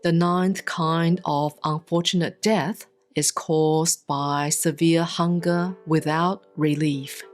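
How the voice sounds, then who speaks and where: Woman, lowish voice, solemn sutra recitation, deliberate pauses, soft instrumental music behind. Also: fairly even intonation. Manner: measured, deliberate enunciation with long pauses. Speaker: Buddhist nun reading scripture aloud. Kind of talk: solemn scripted sutra reading.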